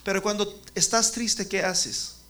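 A man's voice: high voice, steady tone, unhurried, bright, forceful tone. A man giving a children's sermon, often stopping to question the kids by name. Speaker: children's ministry preacher.

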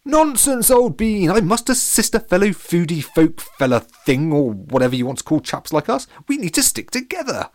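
A man's voice: high-pitched, sing-song, moderate pace, hardly any pauses, no echo, voice pushed up. A man voicing a cheerful, posh male pancake captain in a storybook reading, with a plummy upper-class manner. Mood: rallying.

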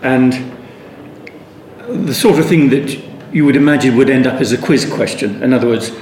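A man's voice: medium pitch, moderate pace, a little mellow. A man giving an unscripted Bible study talk, rambling thoughtfully with many restarts and asides. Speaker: Bible teacher. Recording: echoey room with faint ambient noise.

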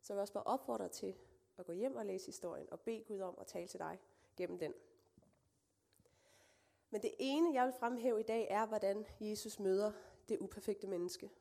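Female preacher, relaxed conversational sermon, gravelly rasp. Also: mid-range voice. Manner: conversational and warm-hearted, with fillers and asides. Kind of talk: sermon with scripture reading.

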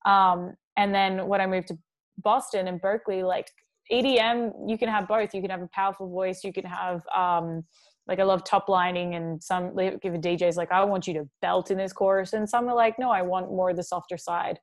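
A woman's voice: medium pitch, steady tone, fairly quick. A young adult woman, a singer, chatting casually in an interview, full of fillers and quoting herself.

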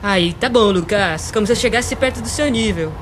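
A woman playing a soft-hearted young partygoer in a radio comedy, slangy and chiding with a pleading whine. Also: mid-range voice, normal speed, a little hiss or hum, lightly acted. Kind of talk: comedic radio drama acting.

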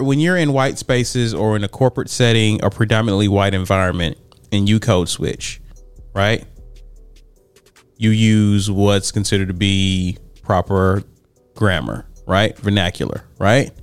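A man with an African American accent talks as a podcast co-host in a casual debate. His pitch moves in an animated way and he challenges with questions. The sound is dry, with some music underneath. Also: smooth, dry recording. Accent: African American English.

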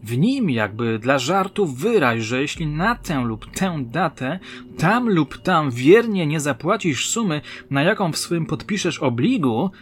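A man's voice: a little high, big pitch swings, measured pace, slight background noise, voice pushed up. A man doing a despairing drunk stage actor. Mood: theatrical menace. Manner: theatrical, self-pitying outbursts.

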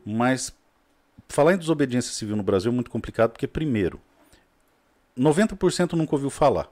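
A man's voice: medium pitch, brisk. Blunt Brazilian man, swearing storyteller. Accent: Brazilian Portuguese. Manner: blunt, swears freely, tells stories with animated asides. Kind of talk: casual chat.

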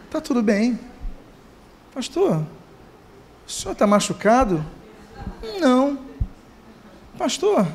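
A man's voice: sits high, darkish tone, a little hiss or hum. A male pastor with a Brazilian Portuguese accent, giving a humorous, conversational sermon to his congregation in church.

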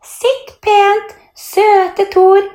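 A woman's voice: very high-pitched, fairly even intonation, a little mellow, pitched above the performer's own voice. A woman voicing a bossy, teasing little girl in a sing-song, mock-sweet manner, read from a children's storybook in an echoey room.

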